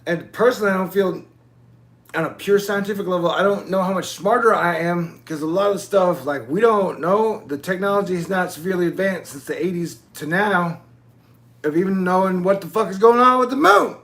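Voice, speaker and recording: A man's voice: high-pitched, fairly quick, fairly bright tone. A man in his forties hosting his own channel, talking in a loose, rambling monologue and swearing now and then. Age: 40s. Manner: loose, digressive, swears casually. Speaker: YouTube channel host.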